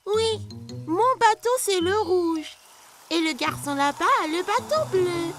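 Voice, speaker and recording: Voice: extremely high pitch, lively intonation, measured pace, music in the background. An actor voicing a friendly, easygoing preschool girl in a children's cartoon, chatty and childlike. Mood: cheerful.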